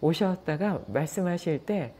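A middle-aged woman, a yoga and meditation teacher, talking casually and calmly, telling stories and acting out what people said. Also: on the low side, a little slow, slightly rough. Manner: anecdotal, calm, with acted-out quotes. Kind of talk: casual talk to viewers.

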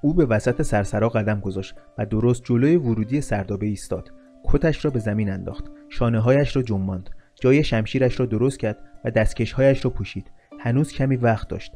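A man narrating a fantasy story in a steady, measured reading. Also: mid-range voice, faint music behind. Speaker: audiobook narrator.

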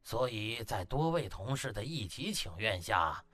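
A man voicing a scheming hospital party secretary, domineering under a smooth, falsely polite official manner, in an audiobook drama. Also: on the low side, sing-song, a little slow, a bit bright, soft background music, exaggerated voice. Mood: falsely apologetic.

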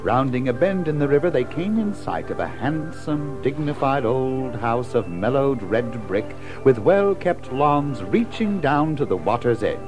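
Very animated male storybook narrator. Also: mid-range voice, a little slow, hardly any pauses, music in the background, low-quality recording.

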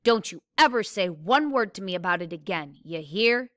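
A woman voicing a blunt, quick-tempered teenage big brother in a read-aloud novel. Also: mid-range voice, lively intonation, a bit bright, no room sound, clean studio sound, lightly acted. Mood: furious. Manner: blunt, brusque.

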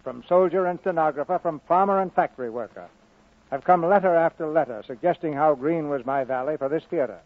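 A man's voice: a little high, brisk. A man hosting a 1940s radio theatre broadcast, reading scripted announcements. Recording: muffled narrowband vintage radio broadcast.

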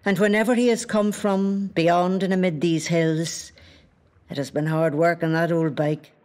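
An actress with a Northern Irish accent playing an ancient, watchful lake spirit in a literary audio drama, speaking in measured, hushed poetry. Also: female voice, on the low side, fairly even intonation, close to an everyday voice. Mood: intent, watchful. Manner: measured, hushed, poetic storytelling. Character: ancient female spirit of a wild mountain lake, watchful, possessive.

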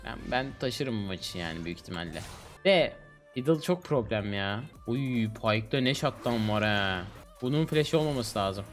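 Excitable young male game streamer, lively pitch. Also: normal speed, faint music behind. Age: 20s. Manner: excitable, slangy, teasing banter. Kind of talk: casual gaming commentary with a teammate. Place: small home streaming room, indoors.

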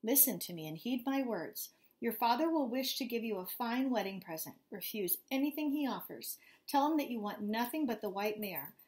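A woman's voice: a little high, expressive, moderate pace, hardly any pauses, a little mellow, close to an everyday voice. A wise magical white mare, read by a woman. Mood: solemn.

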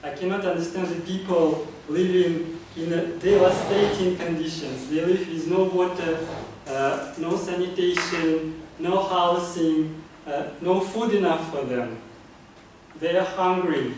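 A man's voice: high-pitched, a little slow, background noise. A man, giving an earnest club speech in a meeting room and often restarting his phrases with fillers. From Kazakhstan. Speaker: club speaker. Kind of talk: prepared public speech. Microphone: far camera. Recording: echoey room from far off.

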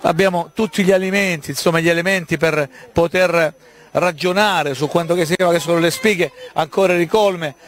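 A man's voice: fairly high pitch, fairly even intonation, moderate pace. A man working as a TV reporter, chatty and inquisitive, interviewing people live on location. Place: outdoors at a busy village street festival.

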